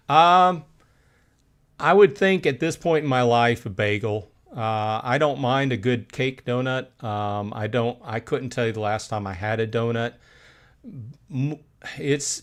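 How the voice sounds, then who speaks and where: A middle-aged man hosting a casual live stream, reading chat aloud with many fillers and pauses, clearing his throat now and then. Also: medium pitch. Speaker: streamer host.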